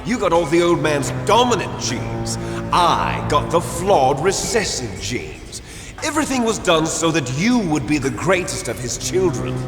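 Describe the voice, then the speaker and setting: A bitter game villain with a fairly high, swooping voice. He taunts grandly and theatrically, like a man set on revenge. The sound echoes heavily with music underneath. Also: sing-song, unhurried. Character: vengeful, bitter villain, resentful cloned twin brother. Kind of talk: dramatic video game voice acting.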